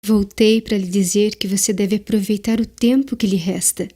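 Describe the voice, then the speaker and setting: A woman with a Brazilian accent playing Death as a mysterious, seductive figure in an audio drama, solemn, measured and knowing. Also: medium pitch, steady tone, mellow, lightly acted. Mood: solemn, serene.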